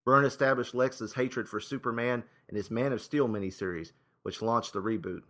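A man's voice: mid-range voice, moderate pace, fairly bright tone. A man hosting with scripted narration and casual, wry asides. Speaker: host and narrator.

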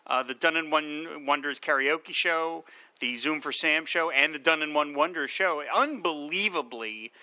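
A man hosting a podcast, talking in a casual, halting way with many restarts. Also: on the high side, sharp tone, no echo, poor audio. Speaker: podcast host.

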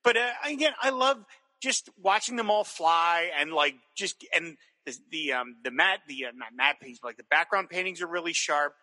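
Enthusiastic man with bright, ringing voice. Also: a little high, animated, normal speed, in a large hall, rough recording. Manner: enthusiastic, rambling with many restarts. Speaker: podcast co-host. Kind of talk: casual chat reviewing old cartoons.

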